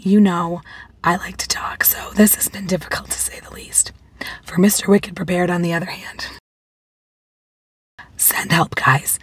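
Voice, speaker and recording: A woman in her forties who has lost her voice, whispering a vlog to camera from inside a parked car. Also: no echo. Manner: breathy whisper, friendly pitch to viewers. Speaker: prepping vlogger. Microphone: phone camera at arm's length.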